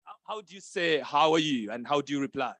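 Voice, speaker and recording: A man's voice: fairly high pitch, lively intonation, quick pace, a bit bright, no room sound. A man hosting a live youth event, playfully teaching the crowd greetings and repeating phrases back to them. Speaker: event host. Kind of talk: lively crowd interaction. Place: conference hall stage.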